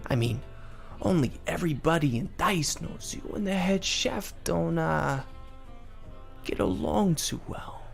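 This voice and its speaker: A man's voice: on the high side, animated, a little slow, vocal fry, faint music behind. An actor playing a smug, gloating police officer in an audio drama, drawling his taunts. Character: smug, slow-talking male officer Klein.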